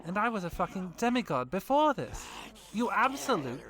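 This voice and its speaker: A woman's voice: medium pitch, big pitch swings, normal speed, natural voice. A woman playing a smug, imperious ancient vampire villain in an audio drama, mocking and theatrical. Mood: furious boasting. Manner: mocking, theatrical, given to monologuing.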